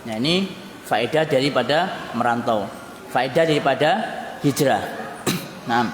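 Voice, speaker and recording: A man's voice: mid-range voice, unhurried. A man giving a mosque sermon. He tags nearly every phrase with a questioning "ya" and slips into phrases. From Yogyakarta, Indonesia. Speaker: preacher. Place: mosque hall. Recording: echoey mosque hall with long reverb, faint hiss.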